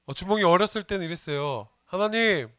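A junior pastor gives a playful children's sermon, asking the kids questions and joking with them as he goes. His high-sitting voice is sharp in tone, lively in intonation, and a little slow, recorded studio-quality with no room sound.

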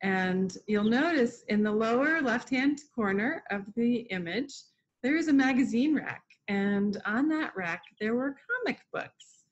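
A middle-aged woman who works as a museum educator hosts an informal online art lesson for children from a room at home. Her voice is fairly high, animated and measured, and it comes through a computer mic on a video call as dull, lo-fi audio.

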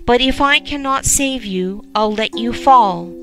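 A woman's voice: on the high side, a little slow, pushed and bright. A woman voicing a helpful little humble bee in a folk tale, friendly and plain-spoken.

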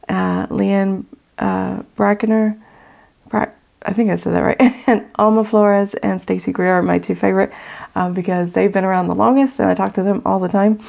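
A middle-aged woman hosting a faith channel, chatting casually and gratefully to viewers from home, her voice still raspy after being sick. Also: medium pitch. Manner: warm, grateful, chatty with fillers. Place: home, at a table. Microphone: overhead camera, speaker off screen.

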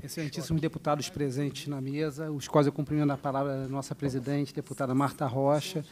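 Polite attorney addressing a hearing. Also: male voice, mid-range voice, level tone, quick pace, darkish tone, slight background noise. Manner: polite, explanatory. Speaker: state attorney.

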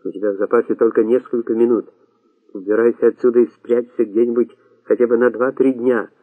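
A man reading an audiobook, voicing a tense young hitman who gives quick, clipped, urgent commands. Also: medium pitch, flat delivery, close to an everyday voice. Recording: tinny phone-like sound.

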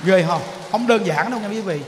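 A man's voice: sits high, brisk, background noise. Southern Vietnamese male preacher, emphatic and questioning, long hall reverb around a raised voice. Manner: emphatic, with rhetorical questions, drops to soft chanting. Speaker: Buddhist teacher. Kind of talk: sermon. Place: temple hall.

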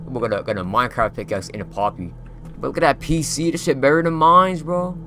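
A young man giving casual, profane commentary as he plays a horror game, often breaking into loud yelps and swearing at what happens on screen. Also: medium pitch, fast, soft background music. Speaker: gaming YouTuber.

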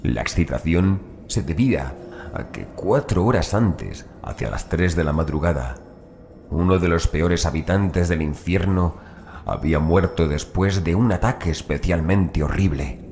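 A man reading a horror audiobook as narrator in a measured, phrase-by-phrase manner. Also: deep voice, darkish tone, a little hiss or hum.

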